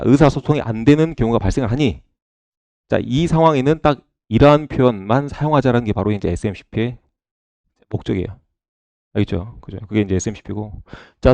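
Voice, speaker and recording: Brief: middle-aged male lecturer, animated and mellow-toned, dry lo-fi lecture recording. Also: medium pitch, no echo. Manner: repeats "자" and checks in with "그죠?"; lively, asks the class questions.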